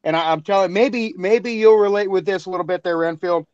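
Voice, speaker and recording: A man co-hosting a podcast in casual chat, excitable and repeating himself. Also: high voice, a little fast, dry recording, lo-fi sound. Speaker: podcast co-host.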